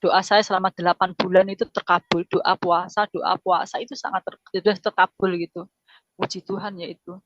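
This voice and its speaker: A woman's voice: on the low side, flat delivery, brisk, no echo. A middle-aged woman giving an emotional personal testimony in casual storytelling, repeating herself and acting out dialogue. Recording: dull lo-fi sound.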